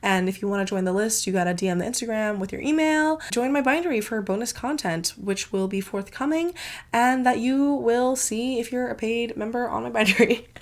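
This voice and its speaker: A woman's voice: on the high side, brisk. A congested woman hosting her book channel, gushing in a casual, filler-heavy review with plenty of swearing.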